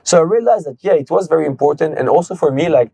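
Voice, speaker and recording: Swiss man telling animated stories. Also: on the high side, vocal fry, slightly rough, no echo. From Switzerland. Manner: fast, animated storyteller, slangy ("bro"). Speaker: guest. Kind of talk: casual interview storytelling.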